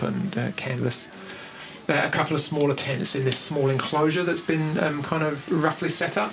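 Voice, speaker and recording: With a New Zealand accent, the speaker talks at a moderate pace with ordinary pitch variation over noticeable background noise. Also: man. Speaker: dungeon master. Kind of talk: tabletop roleplaying game narration.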